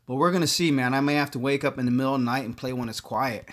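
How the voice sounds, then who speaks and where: A livestream host of partly Korean heritage talks very fast in a mid-range voice. He's hosting a gaming stream, chatting casually and thinking out loud, his speech full of filler words.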